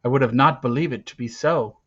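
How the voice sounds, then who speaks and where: A man's voice: mid-range voice, brisk, dull audio, lightly acted. A man voicing a big, fierce, superstitious tribal leader in a storybook, with a declamatory delivery. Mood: grave, surprised. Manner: declamatory, exclaiming.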